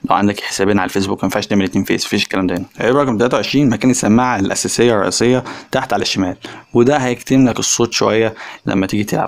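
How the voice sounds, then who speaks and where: A man with an Egyptian accent giving a casual, chatty phone review voice-over, speaking directly to viewers. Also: lowish voice. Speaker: tech reviewer.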